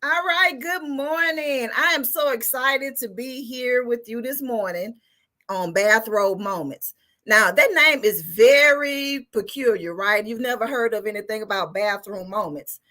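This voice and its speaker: A woman's voice: fairly high pitch, a little slow, bright, forceful tone. An enthusiastic woman from Texas with a Southern US accent, talking casually and folksily as a therapist guest. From Texas, United States. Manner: enthusiastic, folksy, rhetorical check-ins. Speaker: guest, mental health therapist. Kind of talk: casual interview and motivational talk.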